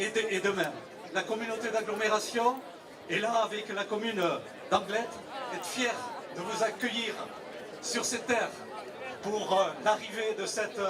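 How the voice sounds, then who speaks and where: A man giving a formal public speech as a local official, measured and pausing between short phrases. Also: high-pitched. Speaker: local authority president, official speaker. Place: public event with crowd. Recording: distant PA microphone, noisy crowd.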